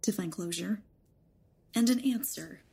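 A woman's voice: mid-range voice, unhurried, gravelly, dark tone, breathy edge, exaggerated voice. An actress in an audio drama playing a rejuvenated mother in a young woman's body, sardonic and defiant. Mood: cool, resolute. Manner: sardonic, pointed.

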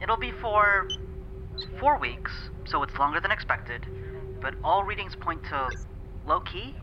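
A man's voice: high-pitched, big pitch swings, unhurried. A man playing a rocket ship pilot reporting to mission control over a sci-fi radio communicator, in clipped, matter-of-fact status reports. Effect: sci-fi radio communicator, muffled and staticky. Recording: muffled lo-fi radio with static noise.

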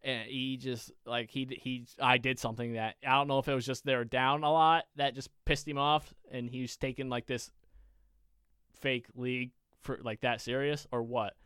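A young man co-hosting a podcast, telling a long story in a casual, animated, profane way with many restarts. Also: mid-range voice, normal speed, clean tone, no echo, clean studio sound. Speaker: podcast co-host.

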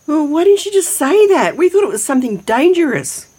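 A woman's voice: sits high, very animated, a little fast, a little mellow. An actress playing an elderly Aboriginal Australian grandmother in an audio drama, homely and colloquial, anxious but wise. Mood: worried, indignant. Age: older. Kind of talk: naturalistic audio drama dialogue and storytelling.

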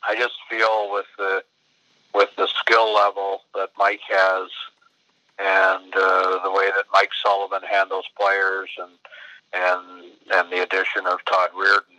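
An older man, a hockey team's general manager, answering interview questions over the phone in a halting way with many fillers and restarts. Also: deep voice, pushed and bright, no room sound. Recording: dry tinny phone line.

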